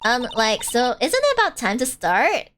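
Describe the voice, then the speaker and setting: Woman doing a high-pitched bubbly Valley Girl sorority type. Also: huge pitch swings, moderate pace, a bit bright, slight background noise. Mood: ditzy, casual. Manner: bubbly airheaded sorority-girl drawl full of "like". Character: bubbly, ditzy young sorority-type college woman, occult student.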